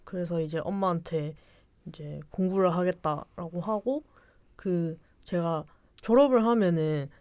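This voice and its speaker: A woman's voice: lowish voice, measured pace, mellow, clean tone, no room sound. A woman with a Korean regional accent, chatting casually as a podcast guest in a rambling, giggly, self-deprecating way. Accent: Korean regional dialect. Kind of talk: casual conversational storytelling.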